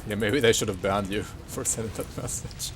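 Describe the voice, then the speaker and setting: A man's voice: lowish voice, moderate pace, fairly bright tone, a little hiss or hum. A man who spent part of his childhood in Sweden gives casual game commentary as a streamer. He rambles loosely, ends thoughts with a tag question and chats with viewers as he plays. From partly raised in Sweden. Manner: chats with viewers while playing.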